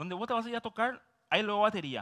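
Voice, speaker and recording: Against a quiet background, a man speaks at a fairly quick pace in a bright, sharp tone. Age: 30s. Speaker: session drummer. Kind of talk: live-stream talk and demo. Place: stage. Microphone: headset.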